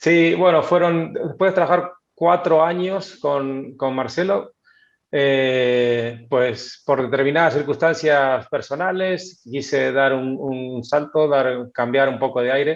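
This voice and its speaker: Very slow speech from a man, fairly high in pitch, ordinary pitch variation. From Argentina, Necochea. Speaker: tech company co-founder. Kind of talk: interview. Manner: halting, many repetitions and fillers.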